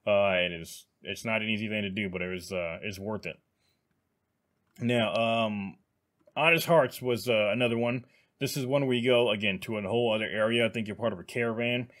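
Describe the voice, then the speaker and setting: Rambling low-voiced man talking games. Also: steady tone, brisk, fairly bright tone. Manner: rambling, many fillers and restarts. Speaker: gaming channel host. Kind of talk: casual video commentary.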